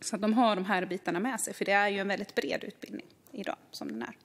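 A middle-aged woman member of parliament making an earnest closing debate speech, posing questions and hesitating now and then, at a podium microphone in a parliament chamber. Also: mid-range voice.

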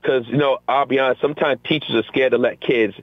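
A man's voice: medium pitch, fast talker, no echo. A middle-aged male teacher speaking as an interview guest, talking energetically and acting out what he and his students say. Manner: energetic, acts out quotes from classroom exchanges. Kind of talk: conversational interview. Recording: tinny phone-line audio.

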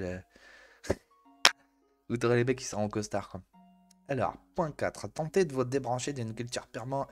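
A man reading an article aloud as host, breaking off to joke at the guest. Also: lowish voice.

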